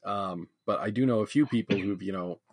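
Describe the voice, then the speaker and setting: Deep-voiced man, rambling and tentative. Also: fairly quick, breathy edge, dry recording. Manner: rambling, filler-heavy, tentative delivery. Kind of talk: casual conversation.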